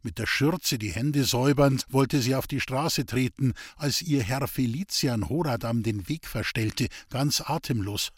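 A man reading a classic novel aloud as an audiobook, in measured storytelling style. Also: medium pitch, slightly rough, dry recording, clean studio sound. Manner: measured storytelling, giving the characters rural dialect. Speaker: audiobook narrator.

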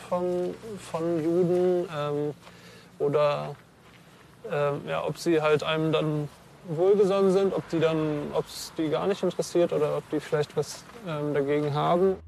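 Hesitant young German man, gravelly. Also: on the high side, steady tone, unhurried, a little mellow, slight background noise. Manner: hesitant, many fillers and restarts. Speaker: interviewee. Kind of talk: casual interview answers.

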